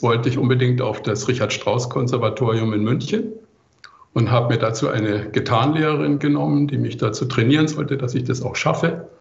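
Mature male interview guest, creaky mid-pitched voice, dull roomy sound. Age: middle-aged or older. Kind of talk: conversational autobiographical interview answers.

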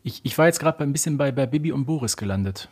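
A man's voice: mid-range voice, lively intonation, quick pace, a little mellow, breathy edge. A man co-hosting a podcast in casual quiz chat, thinking aloud in short phrases. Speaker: podcast co-host. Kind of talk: casual quiz chat about audio dramas.

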